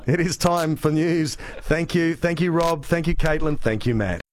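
An Australian man presenting talkback radio in a studio, with a gravelly voice and a dry, teasing manner. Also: on the high side, normal speed. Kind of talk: casual talkback radio chat.

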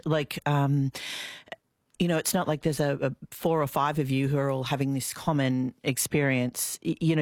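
A woman hosting a radio interview, chatty with quick asides and many listening murmurs. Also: deep voice, dry recording, studio quality. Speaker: radio host. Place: radio studio.

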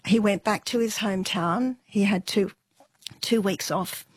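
A middle-aged woman telling an interviewer her family's history in a relaxed, unhurried way, with fillers and soft laughs. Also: mid-range voice, breathy edge, no echo. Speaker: interview guest.

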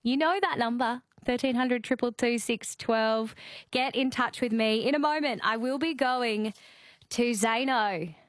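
A woman with an Australian accent presenting live radio from a studio in a bright, chatty manner. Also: fairly high pitch, unhurried, no echo. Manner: bright, chatty, laughs easily. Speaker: radio host. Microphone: studio microphone.

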